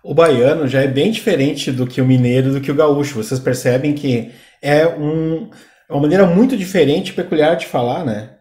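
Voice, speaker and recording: A man from southern Brazil hosting a casual chat about accents, talking in a relaxed, conversational way and asking questions. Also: a little high, normal speed, echoey room. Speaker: host. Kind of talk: casual commentary on video clips.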